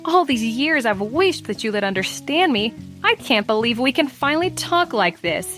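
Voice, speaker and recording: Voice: medium pitch, very animated, moderate pace, pushed and bright, faint music behind, voice pushed up. A storyteller voicing a talking female pet dog who whines and pleads about her food. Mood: amazed. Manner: whiny, pleading.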